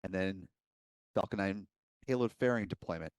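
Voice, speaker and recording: A man's voice: low-pitched, moderate pace, no room sound. A man giving live, explanatory commentary as host of a launch webcast.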